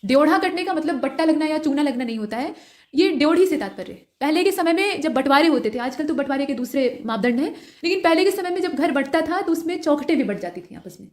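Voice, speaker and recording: A woman teaching an exam-prep lesson who explains step by step, asking questions and answering them herself, and reads example sentences slowly and deliberately. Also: high-pitched, animated, a little mellow.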